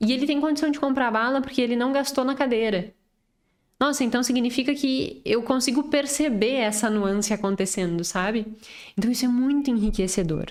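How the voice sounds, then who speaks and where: The speech moves at a fairly quick pace with very even loudness and ordinary pitch variation. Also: woman, high pitch for a woman. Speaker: podcast host, behavioral finance educator. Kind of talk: educational podcast monologue.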